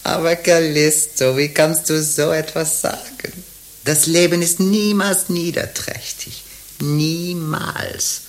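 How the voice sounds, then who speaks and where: An actress playing a sly, earthy older Gypsy procuress queen in a radio drama, gravelly, teasing and theatrical. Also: sits low, steady tone, slow pace. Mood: passionate, wistful.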